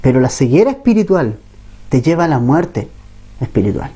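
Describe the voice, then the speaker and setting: A man's voice: medium pitch, sing-song, moderate pace, mellow, slightly rough. A man with a Chilean accent preaching a Bible-teaching sermon as pastor, talking conversationally and often asking the congregation questions. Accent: Chilean Spanish.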